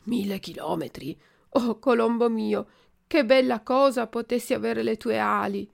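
Pinocchio, high wailing puppet boy voiced by a woman. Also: measured pace, vocal fry. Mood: eager. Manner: wailing, pleading, high childlike voice. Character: wooden puppet boy, impulsive and tearful. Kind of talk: storybook reading.

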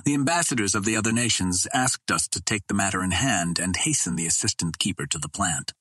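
A grave alien monarch as read by a male narrator speaks in formal, solemn oratory. The voice is fairly low and husky, recorded dry, for an adventure audiobook. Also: brisk, bright, forceful tone, dry recording, exaggerated voice. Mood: grave, urgent. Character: grave alien ruler addressing his council.

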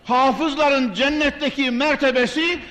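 A man's voice: very high-pitched, fairly even intonation, a little slow, fairly bright tone. An older man delivering a fervent, emphatic sermon at a pulpit microphone in a large mosque, swelling into declamation with Arabic recitation. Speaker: imam preaching. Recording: long mosque hall reverb.

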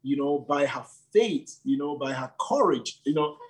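A man's voice: fairly high pitch, normal speed, breathy edge. A man who leads a church, talking about his early years in an interview with lots of fillers. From Nigeria. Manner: animated storytelling with frequent fillers. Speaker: church leader. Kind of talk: casual interview talk.

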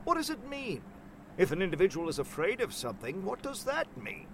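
A man's voice: high voice, wildly swooping pitch, fairly quick, a little hiss or hum, heavily acted. A man voicing a playful, theatrical shape-shifting slug monster in a spoken story. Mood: measured. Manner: theatrical, swings between goofy and ominous.

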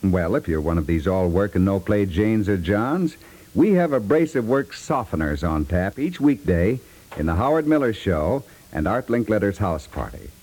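A man's voice: on the low side, expressive, moderate pace, a little mellow, poor audio. A man with an American accent reading scripted promos and credits as a 1950s network radio announcer. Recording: vintage 1950s radio recording.

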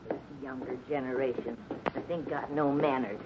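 A woman's voice: a bass voice, steady tone, moderate pace. A woman playing a feisty, scolding old western grandmother, tart and fussy, in a 1950s radio drama on an old recording. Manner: tart, fussy, unafraid, old-fashioned exclamations. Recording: muffled, noisy old radio broadcast recording.

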